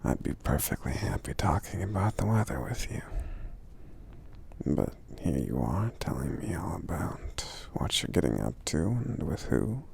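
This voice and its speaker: Man voicing a very deep, breathy, gentle giant. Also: very animated, measured pace, full character voice. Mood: warm, sincere. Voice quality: very deep, breathy, gravelly, half-whispered. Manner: gentle, hesitant, murmuring with thoughtful hums. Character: kindly, considerate male giant, a supportive friend. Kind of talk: soft-spoken ASMR roleplay.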